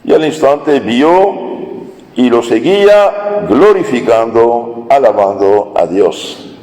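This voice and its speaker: A priest preaching a sermon, telling a Gospel story in a slow homily with hesitations. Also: male voice, mid-range voice, animated, mellow, in a large hall, poor audio.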